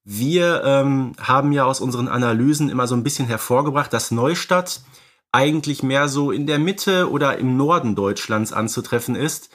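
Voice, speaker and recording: A man's voice: medium pitch, moderate pace, a bit bright. Conversational male podcast co-host. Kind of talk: casual film analysis.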